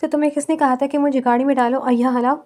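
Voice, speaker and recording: A woman reading a story and voicing a defiant young bride who answers with quick, teasing retorts. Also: high-pitched, fairly even intonation, darkish tone, lightly acted. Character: sharp-tongued young bride, defiant and feisty.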